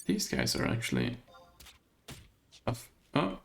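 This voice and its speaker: Slow, gravelly Swedish-accented man. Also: low voice, huge pitch swings, a bit bright. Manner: thinking aloud while navigating, hesitant. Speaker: let's play host. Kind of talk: gameplay commentary.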